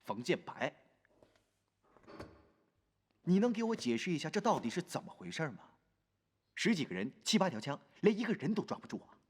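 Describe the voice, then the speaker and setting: Police bureau chief: pompous, fussy, husky voice, period TV drama, reverberant hall. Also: male voice, a little high, very animated, quick pace. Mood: indignant, scolding. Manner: pompous scolding, fussy repetition. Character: blustering, fawning male police bureau chief. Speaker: actor playing a police chief. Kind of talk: Chinese period TV drama acting.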